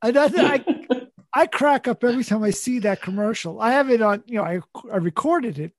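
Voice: medium pitch, expressive, brisk. A podcast host chatting with enthusiasm, often laughing through the words. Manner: enthusiastic, laughing while talking. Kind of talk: casual podcast chat.

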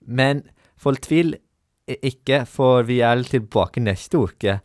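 A man putting on a halting baby-talk voice to sign off a student radio show. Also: medium pitch, darkish tone, no room sound, clean studio sound, close to an everyday voice. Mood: goofy baby talk. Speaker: show co-host.

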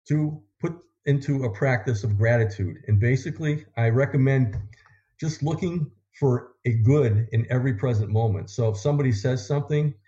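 A man who is a guest author, talking quickly and with enthusiasm about positivity and habits in a casual conversation. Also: mid-range voice, mellow, highs cut off. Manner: fast-talking, enthusiastic, motivational.

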